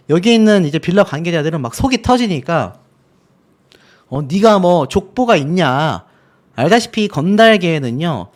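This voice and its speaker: A man with a high voice that rises and falls a great deal, hosting a news commentary channel. He talks viewers through footage in a casual, chatty way, pointing out one detail after another and leading into each point with a short aside.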